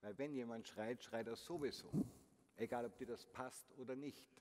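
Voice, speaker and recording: On a big concert hall stage, a keynote speaker motivates a conference crowd, speaking to them directly and often asking rhetorical questions. He talks at a moderate pace with a medium-pitched, darkish voice, and the audio has faint noise under a long hall reverb.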